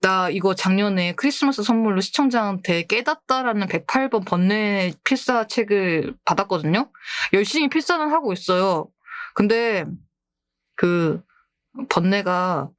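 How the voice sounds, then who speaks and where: A woman's voice: medium pitch, expressive, normal speed, no echo. Polite, giggly woman streamer, dry close sound. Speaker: book-themed VTuber streamer. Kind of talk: casual livestream chat, reading viewer posts.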